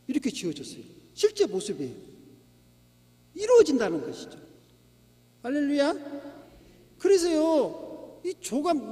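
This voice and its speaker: A middle-aged man preaching a sermon as a pastor, emphatic, with rhetorical questions and shouts of hallelujah. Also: extremely high pitch. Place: church sanctuary. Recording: long church hall reverb.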